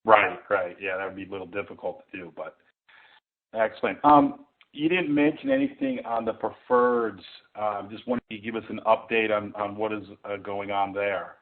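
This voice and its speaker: A man's voice: fairly low pitch, fairly even intonation, normal speed. A man speaking as a financial analyst, asking questions on an earnings call with hesitant, conversational phrasing. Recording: narrow tinny phone line.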